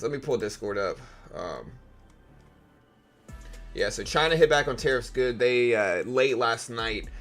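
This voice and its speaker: Man, raspy voice, low-pitched, casual live-stream host, rambling chat, faint background music. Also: fairly bright tone. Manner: rambling, thinks aloud and asks chat questions.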